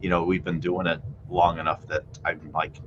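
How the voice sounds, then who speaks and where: A man's voice: deep voice, flat delivery, moderate pace, lo-fi sound, background noise. A man chatting casually as a podcast co-host.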